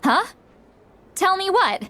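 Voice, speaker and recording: A woman's voice: extremely high pitch, big pitch swings, slow pace, heavy background noise, exaggerated voice. A woman voicing an ancient, proud but easily embarrassed tribal granny in a video game, talking in a flustered, self-deprecating way. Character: centuries-old tribal granny, sheepish and proud.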